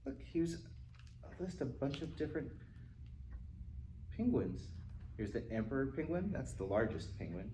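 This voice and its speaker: Animated man reading to children in echoey room. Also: medium pitch, moderate pace, pauses often. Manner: playful, chatty asides to young listeners; acts out animal sounds and exclamations. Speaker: library storytime reader. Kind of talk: animated read-aloud for young children. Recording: roomy echo with faint background noise.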